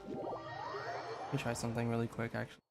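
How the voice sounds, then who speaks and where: A man's voice: medium pitch, wildly swooping pitch, moderate pace, gravelly. A man giving informal let's-play commentary, thinking aloud casually over game music. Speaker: video game streamer.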